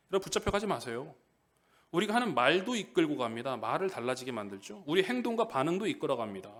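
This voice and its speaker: A middle-aged man preaching in a church, his voice sitting a bit high for a man and rising and falling widely. He keeps it animated and talks straight to the congregation, asking them questions and waiting for answers. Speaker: pastor. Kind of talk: sermon.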